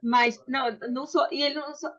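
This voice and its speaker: A Brazilian woman hosts a book club over a video call, and the audio is slightly dull. Her voice sits high and is fairly bright, with a steady tone and a quick pace. She's chatty and welcoming in this casual conversation, often restarting her sentences.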